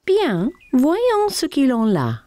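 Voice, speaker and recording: A woman voicing a kind, patient mother in a children's cartoon, gentle and encouraging. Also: high-pitched, wildly swooping pitch, takes it slowly, soft background music, exaggerated voice. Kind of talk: cartoon voice acting.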